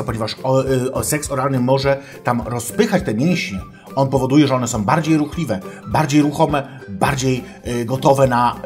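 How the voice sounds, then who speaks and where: Speaking in his natural, mid-pitched voice, a man plays a crude, self-important female sex doctor hosting an advice show. The comic monologue is mock-scholarly and formal, as he keeps addressing the audience politely while swearing freely.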